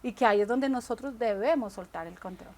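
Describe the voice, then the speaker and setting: A woman's voice: a little high, brisk, darkish tone. A woman, co-hosting a Christian talk show, speaking earnestly about faith and often asking "right?" to check in. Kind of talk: faith-based casual conversation.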